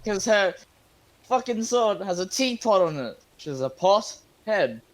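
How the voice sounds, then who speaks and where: An Australian man joking around at a tabletop game, with a fairly high voice and a slow, drawn-out delivery. His banter is loose and sprinkled with swearing. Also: sing-song. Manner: joking, profane. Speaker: player.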